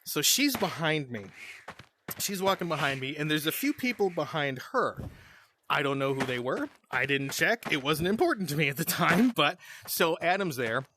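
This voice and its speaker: A man's voice: fairly high pitch, very animated, moderate pace, background noise. A man hosting a gaming channel, telling a rambling story in a casual way, often chuckling and restarting his sentences. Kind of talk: casual storytelling over gameplay.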